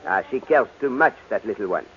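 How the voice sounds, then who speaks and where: An actor playing a courtly, observant detective in an old radio drama, with a French accent and a theatrical, musing way of talking. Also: male voice, on the low side, lively intonation, brisk, close to an everyday voice. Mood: knowing, wistful. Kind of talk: 1940s American radio drama acting. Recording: tinny, narrow-band old radio recording.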